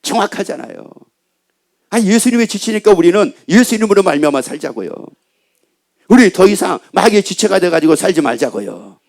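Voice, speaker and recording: Man, pastor, Sunday sermon, high voice, rhetorical questions, repeated phrases. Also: lively intonation, a little fast, gravelly, darkish tone. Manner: asks the congregation questions and answers them, repeats phrases. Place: church sanctuary.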